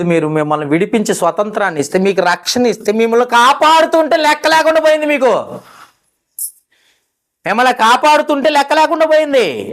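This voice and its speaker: A male preacher with a high voice that leaps around wildly in pitch. He swings from loud, pleading peaks to quiet, low asides, and keeps putting questions to his listeners. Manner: asks the listeners questions directly. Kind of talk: sermon.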